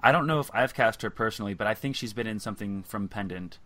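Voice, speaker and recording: A man with a low voice hosts a relaxed commentary chat. He asks questions with plenty of hesitant fillers and answers with easy, agreeable replies. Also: quick pace, dry recording. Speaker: commentary host.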